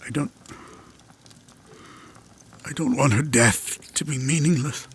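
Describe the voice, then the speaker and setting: An actor playing a zealous, grieving father and campaigner in an audio drama, emotional and halting in his delivery. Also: mid-range voice, gravelly, a little hiss or hum. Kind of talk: audio fiction drama acting.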